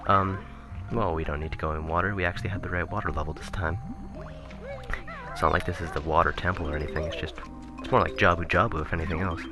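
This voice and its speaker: Deep-voiced man rambling over game music. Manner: rambling, self-correcting, chuckling asides. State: voice getting raspy. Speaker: let's play commentator. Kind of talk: casual gameplay commentary. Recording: game music playing behind.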